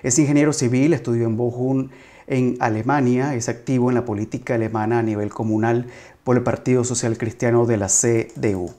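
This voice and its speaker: A male journalist presents a political talk program in a mellow, soft-edged voice. He speaks formally and straight to his viewers, as a host does. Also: mid-range voice, steady tone, a little fast.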